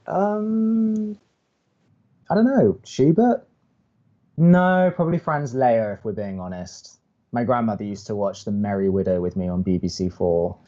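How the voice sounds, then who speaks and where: The recording is a little dull and lo-fi. A man acts a prickly male college radio host in an audio romantic comedy, sounding dry and put-upon. He turns halting and awkward whenever he gets flustered. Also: fairly low pitch, warm tone, natural voice. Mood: flustered, hesitant.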